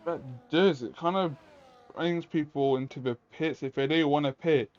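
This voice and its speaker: A man works as a motorsport commentator, calling a race play-by-play in a fairly high voice. He follows each move and poses rhetorical questions as he goes. The audio is slightly dull and lo-fi. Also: moderate pace, darkish tone. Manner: running play-by-play calls mixed with rhetorical questions.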